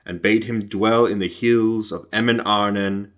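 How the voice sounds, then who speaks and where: A man narrating an epic fantasy audiobook in a formal, measured storytelling manner. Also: on the low side, steady tone, a bit bright.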